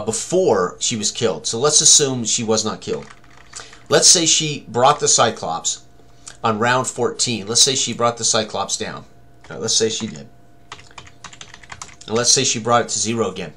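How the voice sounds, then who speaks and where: A man's voice: on the low side, fairly bright tone. A man in his sixties giving an informal tutorial, explaining step by step and often checking with a tagged-on "right?". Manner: checks understanding with frequent "right?". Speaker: game designer presenting a tutorial. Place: indoor room at a desk.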